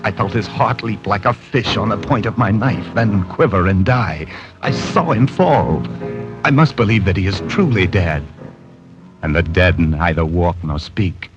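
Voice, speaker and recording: A man's voice: sits low, a little slow, over music. An actor playing a haunted, guilt-ridden man who stammers tensely, narrating and speaking in an old radio drama, recorded as a dull old radio broadcast. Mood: brooding. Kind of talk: 1940s radio acting.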